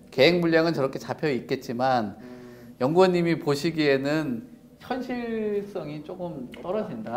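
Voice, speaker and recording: Noticeable background noise sits behind a man's voice. He talks fairly slowly with lively intonation. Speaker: show host. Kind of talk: interview, casual live talk.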